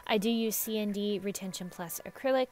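A woman's voice: medium pitch, fairly quick, a little mellow. A woman, a nail technician, giving an upbeat, chatty voice-over for her vlog. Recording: voice-over with faint music behind.

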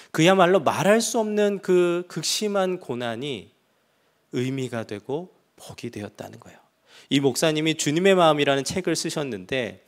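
Korean pastor telling a story in a sermon. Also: male voice, mid-range voice. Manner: acts out quoted speech with sharp swings in loudness; drops to soft, hushed tones for tender passages.

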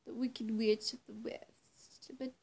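Young woman playing a slow, high-voiced coy vampire. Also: flat delivery, a little mellow, husky, exaggerated voice. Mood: coy, vain. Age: young adult. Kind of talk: roleplay addressed to the listener. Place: small bright bedroom, indoors. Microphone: camera mic at arm's length or closer.

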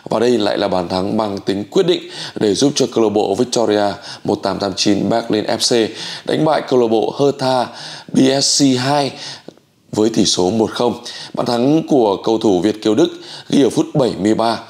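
A man in his forties hosting sports news commentary to camera, with hesitant pauses. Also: lowish voice, a little mellow. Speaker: host. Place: small indoor room.

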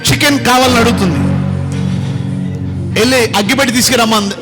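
High-voiced man preaching a story. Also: quick pace, music in the background. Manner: storytelling, asks the audience to watch. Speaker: pastor. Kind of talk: Telugu sermon narrating a video clip.

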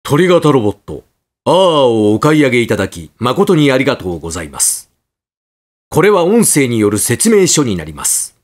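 Young guy doing polite narration, careful diction, pitch moves around a lot. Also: very animated, normal speed. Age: young adult. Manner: polite, carefully articulated product-guide reading. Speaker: voice actor, narrator. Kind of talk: scripted narration demo.

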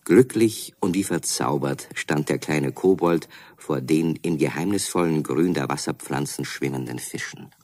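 A man's voice: very deep voice, measured pace, hardly any pauses, a little mellow. A man narrating a children's radio play as a scripted story.

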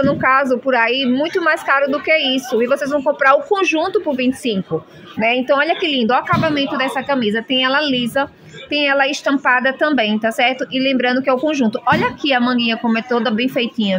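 A woman's voice: sits high, fairly quick, fairly bright tone, soft background music. A woman filming a chatty, gushing shopping vlog, showing clothes in a shop. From Brazil. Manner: gushing, chatty, constant "minha gente". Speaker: shopping vlogger. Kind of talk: enthusiastic product showcase. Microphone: handheld phone camera.

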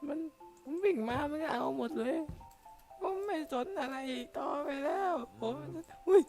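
Squeaky jumpy game hero. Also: male voice, normal speed, creaky, faint music behind, heavily acted. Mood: excited. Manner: excitable, yelps and curses when startled. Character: squeaky high-voiced young male game hero, jumpy and excitable. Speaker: game caster. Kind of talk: playing and narrating a block-building game in a put-on voice.

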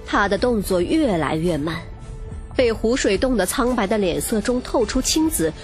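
A woman's voice: medium pitch, animated, normal speed. A woman reading a romance novel as dramatic, scripted first-person narration. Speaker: audiobook narrator. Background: music.

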